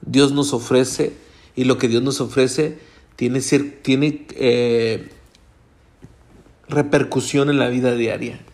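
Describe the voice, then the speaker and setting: A man's voice: mid-range voice, steady tone, slow, pauses often, darkish tone. A Hispanic man, a pastor, preaching an earnest sermon straight to his congregation. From Latin America. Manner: earnest, direct address to congregation.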